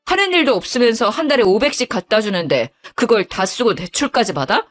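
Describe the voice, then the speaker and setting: A woman voicing an angry young husband who scolds bluntly in a lowered voice. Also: big pitch swings, brisk, soft background music.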